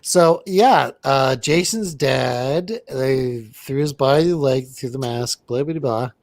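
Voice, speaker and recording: A man co-hosting a casual movie-review chat, rambling and deadpan, with casual swearing. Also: medium pitch, slow, no echo, studio quality. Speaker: podcast co-host.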